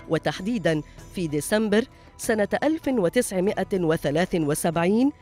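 A narrator reading a scripted documentary voice-over in a formal, rapid manner. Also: medium pitch, darkish tone.

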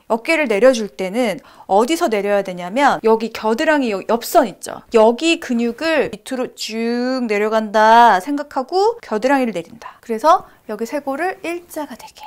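A young woman hosting a casual beauty and style vlog, giving tips in a lively, demonstrative way that often drops to a whisper. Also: a little high, moderate pace.

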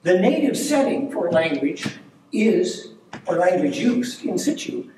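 An older man with a fairly high voice gives a relaxed academic lecture, pausing and filling gaps with ums as he works through his points. He sounds distant from the mic in a very reverberant hall, with a faint hum of room ambience beneath him. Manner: unhurried, thinking aloud with many ums. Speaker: plenary speaker. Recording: very echoey hall, mic heard from afar.

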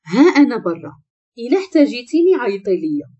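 Woman doing a rude moroccan boss man, curt and mean, kinda husky and warm. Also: a little high, very animated, fast, muffled recording. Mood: curt, scornful. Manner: blunt and insulting. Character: harsh rude young male boss.

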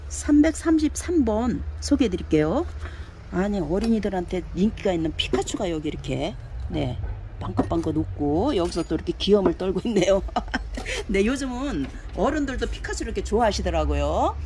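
Against a noisy background, a woman speaks at medium pitch, expressive and fairly quick, as she presents handmade plant pots for online sale. She shows and measures each one, keeps up chatty talk packed with pointing words, and nudges buyers to order.

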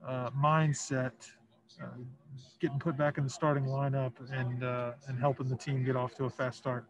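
A man, a sports reporter, asking slow, hesitant questions with many fillers at a press conference. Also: mid-range voice, flat delivery, lo-fi sound, a crowd in the background.

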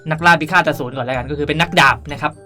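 A young man speaks in a bright, forward voice as a gaming channel host. He rambles playfully through a casual tutorial, with faint music behind him. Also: on the high side, rapid-fire. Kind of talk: casual game tutorial commentary.

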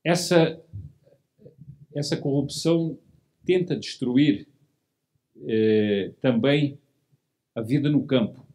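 A man's voice: medium pitch, slow, pauses often, dark tone. A middle-aged man giving a formal political speech from a podium in a hall, asking rhetorical questions and repeating words for emphasis. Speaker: lecturer at a monarchist meeting.

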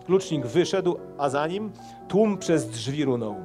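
A man narrating epic verse in an expressive, measured dramatic poetry reading at an outdoor public event. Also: fairly high pitch, music in the background. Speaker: actor reading an epic poem.

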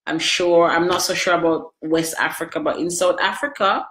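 A woman's voice: on the low side, steady tone, moderate pace, fairly bright tone. Sniffly chatty woman on a webcam. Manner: chatty, emotional, addresses viewers by name. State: sniffly after crying. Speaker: livestream host answering viewers. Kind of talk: casual live video chat. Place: small room at home, indoors. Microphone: webcam at close range. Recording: echoey room.

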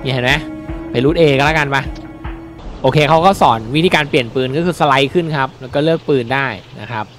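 A young man casually commentating his mobile game play, chatty and excitable, with sudden startled shouts. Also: mid-range voice, fast talker. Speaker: mobile game channel host. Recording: game music behind the voice.

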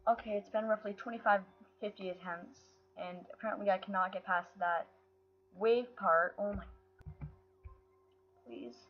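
A woman's voice: medium pitch, fairly even intonation, normal speed, faint music behind. Woman, game commentary, sick voice, frustrated self-talk, dull built-in mic. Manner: frustrated, self-talking while playing. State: sick, voice affected. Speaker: gaming channel host. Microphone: built-in mic, no headset.

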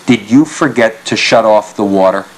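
A man reading short test sentences aloud in a plain, measured way. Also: lowish voice. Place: small lab room indoors. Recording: echoey room.

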